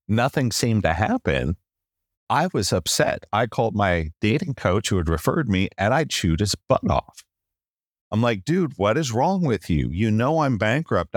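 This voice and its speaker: Man, middle-aged, deep low voice, dry close sound, animated storyteller, podcast guest. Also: no room sound. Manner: animated storyteller, often says "long story short" and "right?". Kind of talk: storytelling in a conversation.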